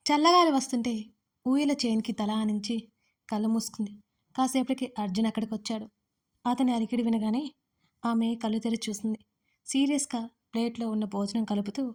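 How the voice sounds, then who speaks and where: A woman narrating a romantic audio story in a gentle, even manner. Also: a little high.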